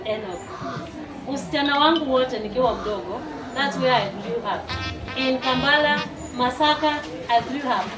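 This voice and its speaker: High-voiced woman speaking in an echoey hall. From Uganda. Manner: lively, rallies the crowd to clap. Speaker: teacher and network marketer. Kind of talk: testimonial speech to a live audience. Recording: echoey hall, far from the mic, noisy.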